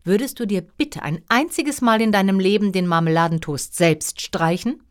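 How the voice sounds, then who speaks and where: A woman voicing an exasperated, imperious king and father in a storybook, with a loud, commanding, scolding manner. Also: mid-range voice, sing-song, unhurried, voice pushed up.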